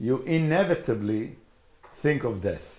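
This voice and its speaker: Audible room echo around a man at a medium pitch, speaking at a very slow pace with ordinary pitch variation. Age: 60s. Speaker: lecturer, author. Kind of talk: lecture with consecutive interpretation. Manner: speaks in short phrases, pausing for interpreter.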